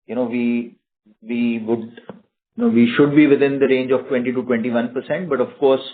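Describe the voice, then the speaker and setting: A man with an Indian accent speaking as a company executive on an earnings call, halting, with frequent filler phrases. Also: mid-range voice, steady tone. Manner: halting, frequent "you know". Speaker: company executive answering analyst questions. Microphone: conference phone call. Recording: narrow tinny phone-line audio.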